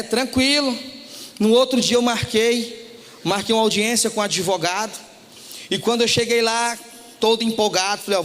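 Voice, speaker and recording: A man's voice: sits high, fairly bright tone. A Brazilian man giving a sermon testimony, telling his story and acting out the dialogue, often calling the listeners "dear". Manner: storytelling, acts out dialogue, calls listeners "querido". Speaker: church speaker giving testimony. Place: church hall. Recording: long hall reverb.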